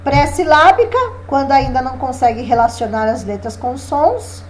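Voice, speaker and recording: High-voiced woman teaching. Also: normal speed, a little hiss or hum. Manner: explanatory, checks in with "né?" and "tá?". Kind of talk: exam review lesson.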